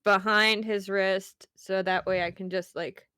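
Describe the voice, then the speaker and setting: A woman's voice: mid-range voice, steady tone, measured pace, bright, forceful tone, clean tone, no echo, studio quality. A woman playing a tabletop roleplaying game, speaking casually as she describes moves and talks in character.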